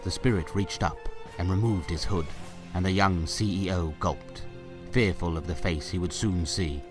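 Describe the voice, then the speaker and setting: A man narrating a scripted story in a dramatic, expressive storytelling style. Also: sits low, normal speed, over music. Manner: expressive, theatrical.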